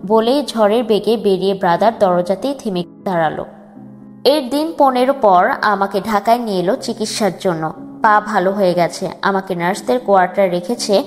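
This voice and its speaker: Grave woman narrator over soft music. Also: mid-range voice. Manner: grave, measured storytelling. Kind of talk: dramatic reading of a first-person memoir. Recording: long reverb with soft music beneath.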